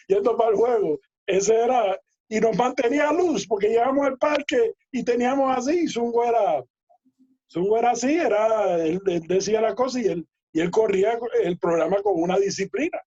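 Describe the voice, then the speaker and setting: A man, a guest telling lively baseball anecdotes in a casual interview, laughing and acting out quoted dialogue. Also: extremely high pitch, normal speed, slightly rough. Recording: dull lo-fi audio.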